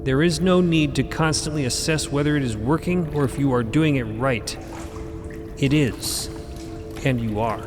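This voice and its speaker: A male actor voices a wise but exasperated cosmic mentor for a fantasy audio drama, holding forth serenely and instructively with dry, impatient remarks. His pitch is medium, his pace moderate, and he sounds close to an everyday voice. The recording has long cavernous reverb beneath loud music.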